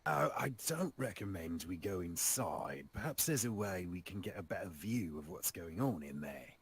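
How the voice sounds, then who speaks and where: A man voicing a classy, cautious, melancholy undead adventurer in a tabletop game, speaking formally and with measured politeness. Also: sits low, sing-song, husky, heavily acted.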